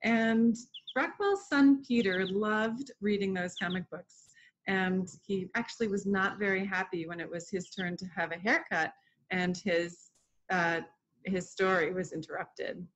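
Her voice medium-pitched, fairly even, a little slow and slightly bright, a middle-aged museum educator teaches children an informal art lesson over a video call from home. The computer mic gives lo-fi, muffled sound with a slight hiss or hum.

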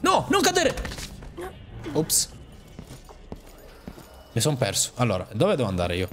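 Un uomo che commenta una partita a un videogioco con tono scherzoso e agitato, parlando ai personaggi del gioco. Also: male voice, mid-range voice, measured pace, slight background noise. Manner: animated, jokey, talks to the game characters. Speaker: gaming YouTuber. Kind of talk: excited gameplay commentary.

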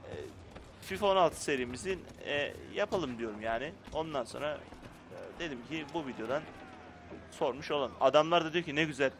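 A man commenting casually on his gameplay, playfully arguing with the game's characters and swinging from muttering to loud outbursts. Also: on the high side, expressive, brisk, a little hiss or hum. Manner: playful, talks to game characters in mock indignation. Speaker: gaming YouTuber.

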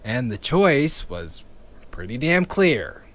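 A man's voice: mid-range voice, big pitch swings, slow pace. An actor playing a bitter young male activist in an audio drama, sardonic and swearing, with wry laughs between his lines.

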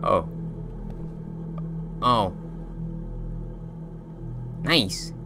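A young man with a fairly low speaking voice calls out a horror game as he plays, swearing freely and bursting into loud yelps. His casual streamer talk sits over music playing clearly underneath. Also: lively intonation, extremely slow. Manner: profane, loud reactions, yelling at the game. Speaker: gaming YouTuber.

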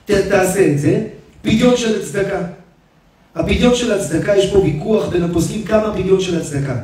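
A man, a rabbi, preaching an emotional sermon and telling stories, his delivery swinging between loud and hushed. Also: high voice. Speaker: rabbi giving a lesson. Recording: echoey hall, speaker far from the mic.

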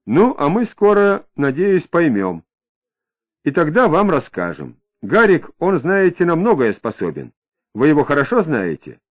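A man voicing a calm young detective who questions in a measured, quietly ironic way, in an audiobook with a tinny sound. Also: a little high, heavily acted. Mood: probing.

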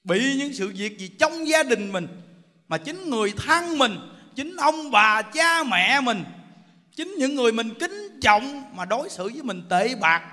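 A man's voice: extremely high pitch, big pitch swings, measured pace, sharp tone. A man with a Southern Vietnamese accent preaching a Buddhist sermon, emphatic and often checking that listeners understand. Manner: emphatic, keeps asking listeners "understand? see?". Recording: long hall reverb.

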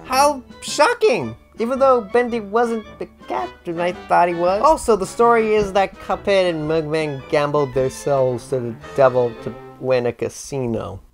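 A man's voice: high-pitched, measured pace, few pauses. A young man hosts a comedic scripted commentary, speaking to camera in an exaggerated, mock-dramatic way. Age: young adult. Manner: animated, exaggerated delivery with mock-dramatic asides. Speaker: YouTube host. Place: indoor room with bare wall. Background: faint music.

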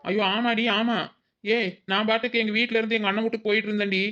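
A woman's voice: a little high, little pitch movement, quick pace, lo-fi sound, over loud music, close to an everyday voice. A woman voicing a flustered young village woman in a cartoon, who wails and repeats herself frantically. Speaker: cartoon character.

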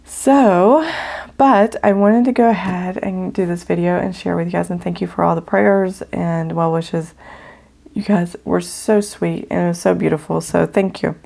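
A middle-aged woman hosting a faith channel, chatting casually and gratefully to viewers from home, her voice still raspy after being sick. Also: lowish voice, fairly even intonation, normal speed. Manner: warm, grateful, chatty with fillers. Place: home, at a table. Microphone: overhead camera, speaker off screen.

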